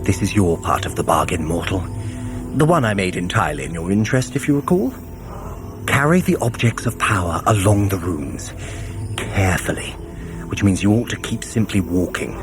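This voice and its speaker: An actor playing a sly, haughty trickster god in a fantasy audio drama, silky and sardonic. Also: male voice, deep voice, sing-song, moderate pace, over music. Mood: sardonic, coaxing.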